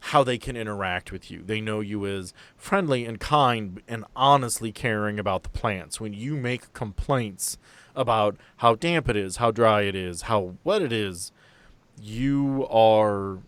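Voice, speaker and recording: A man's voice: fairly low pitch, clean tone, dry recording. A man narrating a tabletop roleplaying game as game master in a casual, joking way.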